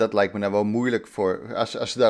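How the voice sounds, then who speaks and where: A man speaks in a plain, everyday voice at a fairly low pitch. His pace is fairly quick and his intonation fairly even. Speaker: podcast host. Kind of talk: interview. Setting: video call.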